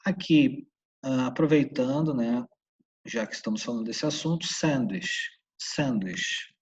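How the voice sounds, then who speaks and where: A man from Santa Catarina, Brazil, with a Brazilian Portuguese accent, teaching a casual English lesson and repeating the English words slowly, in a husky voice. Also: medium pitch, darkish tone. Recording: dull, distant room mic.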